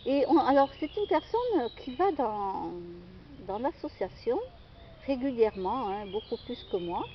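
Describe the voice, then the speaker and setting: A woman with a fairly high voice rambles through a personal story, stopping often to hesitate and restart. The recording sounds dull and lo-fi, with faint outdoor noise and birdsong behind her. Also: lively intonation, a little slow. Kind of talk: casual storytelling monologue.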